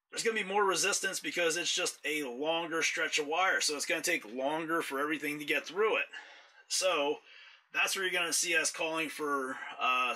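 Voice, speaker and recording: A man's voice: fairly high pitch, rough recording. A man giving a casual hands-on repair tutorial indoors, explaining step by step as he works. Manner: relaxed, explanatory, talks while working. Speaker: mower repair technician.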